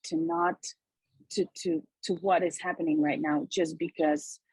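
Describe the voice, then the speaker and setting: A woman from Ukraine giving reflective comments on a video call, haltingly searching for her words. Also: sits low, level tone, a little mellow, slightly rough, no room sound, poor audio. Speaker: discussion participant.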